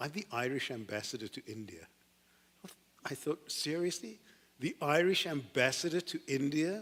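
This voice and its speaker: This man speaks with a South African accent. His pitch swings are very wide. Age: 70s. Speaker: guest speaker on Israel. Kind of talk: public talk. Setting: synagogue hall with audience. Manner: emotional; halting.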